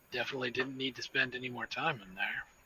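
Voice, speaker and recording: Putting on a character voice, a raspy man speaks at a medium pitch and a very fast pace. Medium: actual play.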